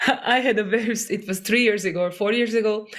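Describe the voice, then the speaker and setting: The speaker talks at a moderate pace. They speak with a Hungarian accent. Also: woman. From Hungary. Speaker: singer-songwriter and voice coach. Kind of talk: interview conversation.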